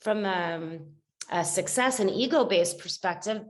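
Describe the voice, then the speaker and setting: A woman's voice: medium pitch, unhurried. A middle-aged woman talking as a podcast guest, reflective and rambling, with many fillers and restarts. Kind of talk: casual conversational interview.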